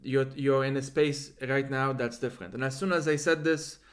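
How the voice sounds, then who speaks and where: This Lebanese podcast host and interviewer thinks out loud in reflective, conversational interview fashion, wandering discursively through asides. His mid-range voice keeps a fairly even intonation and a normal pace, and his R's are rolled.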